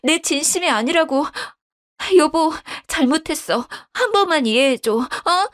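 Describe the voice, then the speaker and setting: A woman voicing a scheming young daughter-in-law who begs and stammers in a shrill, whiny voice. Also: expressive, a little slow, a bit bright. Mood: pleading.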